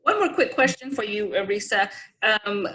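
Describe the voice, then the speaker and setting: A woman's voice: medium pitch, animated, moderate pace, sharp tone. A woman co-interviewer asking follow-up questions politely.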